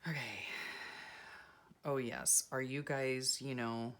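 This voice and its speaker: A woman vlogger chatting casually and rambling softly while she works on a journal craft. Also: extremely low pitch, fairly even intonation, takes it slowly. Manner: soft-spoken, rambling, self-deprecating, many fillers. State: frog in her throat.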